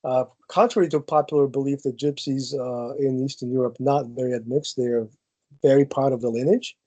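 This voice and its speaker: A man's voice: medium pitch, steady tone, brisk, warm tone. A man answering audience questions over a video call, thoughtful and full of hesitant restarts. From Ukraine. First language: Ukrainian. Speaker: guest speaker, geneticist.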